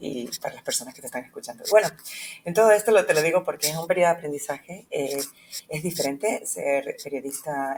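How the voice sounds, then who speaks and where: Against noticeable background noise, a woman with a very deep, low pitch talks at a very fast pace. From Canary Islands, Tenerife. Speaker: journalist. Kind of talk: interview.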